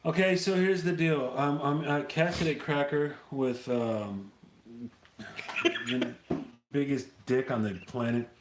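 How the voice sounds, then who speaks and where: A man's voice: a little high, takes it slowly. A man hosting a casual livestream chat through a tablet mic, cracking crude jokes. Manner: crude joking banter. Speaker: livestream host. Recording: echoey room with faint noise.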